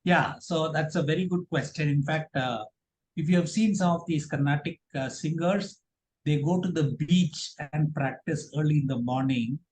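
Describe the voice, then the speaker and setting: High-pitched Indian man teaching, roomy sound. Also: moderate pace, a little mellow. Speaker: public speaking trainer. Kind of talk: workshop teaching. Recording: roomy, echoing voice pickup.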